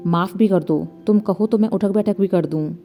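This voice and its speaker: A woman doing a proud young guy who sulks and argues, stubborn, low-key mellow voice, storybook reading with soft music behind. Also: moderate pace, close to an everyday voice. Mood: pleading. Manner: pleading then grumbling, stubborn. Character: young man, proud, sulky, quarrelsome. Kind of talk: storybook narration.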